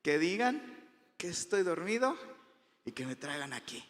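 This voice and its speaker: A man's voice: fairly high pitch, big pitch swings, normal speed, a bit bright, in a large hall. A young adult man with a Mexican Spanish accent preaching a sermon in a conversational way, full of fillers and restarts. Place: church hall.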